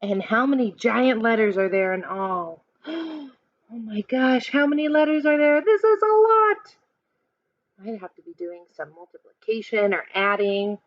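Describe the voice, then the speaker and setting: A woman reading a children's picture book aloud like a teacher, expressive and questioning as she coaches young listeners through counting. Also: a little high, a little slow, no room sound, dull audio.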